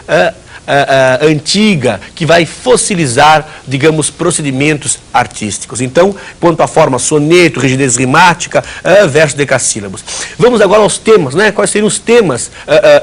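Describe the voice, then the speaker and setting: A man's voice: on the high side, husky. A man teaching a recorded video lesson, talking with many fillers and restarts and dropping ironic asides to his students.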